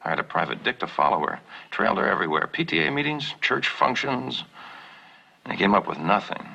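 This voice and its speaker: A gravelly, grumbling soldier. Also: male voice, fairly low pitch, sing-song, brisk, bright, forceful tone, heavily acted. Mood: grousing. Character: grumbling wounded soldier, jealous husband. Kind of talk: 1970s TV sitcom acting. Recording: dull lo-fi TV audio.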